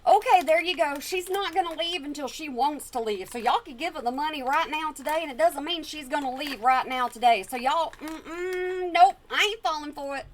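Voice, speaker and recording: A woman's voice: high voice, normal speed, few pauses, slight background noise. A woman hosting a reaction video at home, making sarcastic, sassy remarks back at a clip. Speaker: reaction channel host. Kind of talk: casual commentary over a clip.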